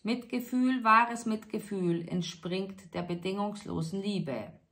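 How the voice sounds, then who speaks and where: A woman giving a spiritual tarot reading, speaking slowly and soothingly straight to the listener. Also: mid-range voice, fairly bright tone. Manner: slow, soothing, addresses listener directly. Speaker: tarot reader.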